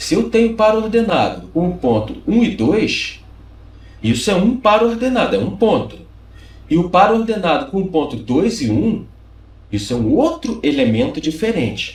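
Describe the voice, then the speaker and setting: A man with a Brazilian accent, high-pitched, with very wide pitch swings, a moderate pace and audible room echo. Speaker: math teacher. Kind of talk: lecture.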